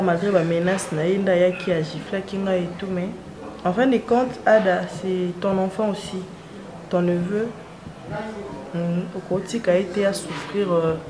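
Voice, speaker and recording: An actress with a Congolese accent playing an outspoken, insistent grown daughter in a family drama. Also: female voice, lowish voice, lightly acted. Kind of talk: acted family drama dialogue. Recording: echoey room with clear background noise.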